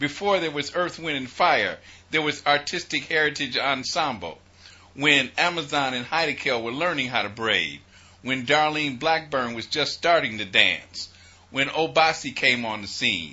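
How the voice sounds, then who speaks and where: Speaking at a moderate pace in a plain, everyday voice, a man with an American accent has a fairly high pitch. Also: ordinary pitch variation. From Chicago, South Side. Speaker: spoken word poet. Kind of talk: spoken word performance. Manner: rhythmic.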